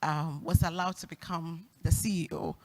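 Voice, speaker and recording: A woman's voice: fairly low pitch, fairly even intonation, normal speed, background noise. A woman on a forum panel, a telecom executive recounting her career in a conversational, reflective way with easy laughs. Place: forum stage.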